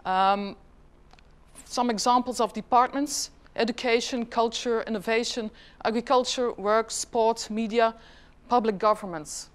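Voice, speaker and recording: In an unhurried, fairly high voice with fairly even intonation, a middle-aged Flemish woman from Flanders, Belgium, presents at a conference as a government department head. A native Dutch speaker, she keeps it chatty and asks the audience questions.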